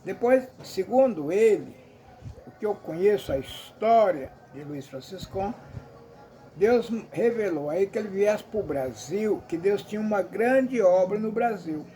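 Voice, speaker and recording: A man's voice: sits high, expressive, unhurried, dark tone, a little hiss or hum. A Brazilian man giving an emphatic, repetitive commentary monologue, often calling out to his listeners.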